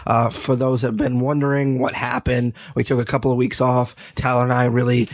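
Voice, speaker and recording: A man hosting a podcast, hoarse and stuffed up from a cold, with a raspy voice and a rambling manner full of fillers and restarts. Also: mid-range voice, little pitch movement, brisk, no room sound, clean studio sound. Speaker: podcast host. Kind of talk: casual podcast chat.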